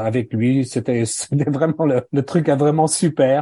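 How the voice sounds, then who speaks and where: Fairly even intonation and a dark, mellow tone define this man's speech. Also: quiet background. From France, Brittany. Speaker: radio station director, retired school principal. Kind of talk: interview. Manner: halting.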